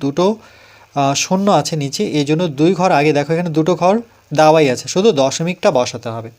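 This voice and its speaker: A man with a Bengali accent gives a step-by-step math lesson for young pupils. His voice sits somewhat high for a man, and he is patient, repeating numbers digit by digit so nobody gets lost. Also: fast, a little mellow. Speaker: math teacher.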